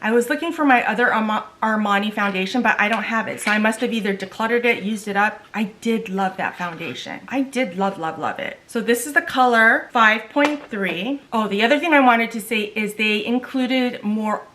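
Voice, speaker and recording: A woman's voice: fairly high pitch, moderate pace, hardly any pauses, a bit bright, a little hiss or hum. Chatty middle-aged woman beauty vlogger. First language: Korean. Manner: chatty, loses words and restarts. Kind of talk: casual makeup tutorial chat.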